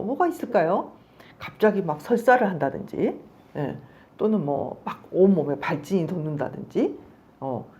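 A middle-aged woman, a counseling professor, giving an expressive lecture and explaining patiently with rhetorical questions. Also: mid-range voice. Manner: expressive, acts out little dialogues in different voices. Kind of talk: lecture to camera.

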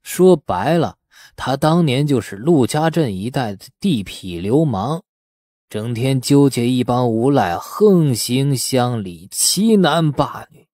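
Audiobook role: male narrator as embittered old village man, drawling slowly with scorn, swinging pitch. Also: expressive, darkish tone, no echo, studio quality. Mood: sneering, bitter. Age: older. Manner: slow, drawn-out, scornful drawl. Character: bitter, sneering old village man smoking a pipe. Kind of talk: audiobook character acting.

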